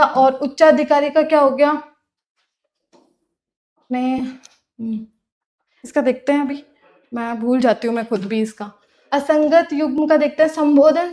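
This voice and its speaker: In a classroom lecture for a clerk exam, a woman with a high-pitched, darkish-toned voice explains terms by repeating them and by posing questions she then answers herself.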